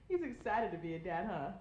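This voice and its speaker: A woman's voice: medium pitch, a little mellow. Casting: actress for sweetly encouraging, chatty woman, analog horror dialogue, muffled audio with faint noise. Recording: muffled, roomy, faintly noisy tape audio.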